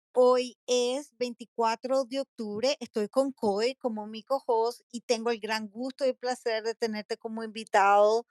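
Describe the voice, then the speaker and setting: Bright-voiced woman podcast host. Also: fairly high pitch, no echo, studio quality. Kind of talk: casual interview chat.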